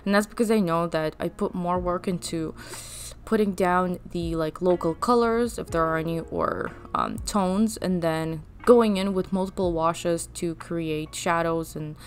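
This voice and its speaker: A woman's voice: on the low side, animated, a little slow. A young woman whose first language is Russian, rambling chattily in a casual voice-over while she draws, with fillers and laughs. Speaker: art channel host.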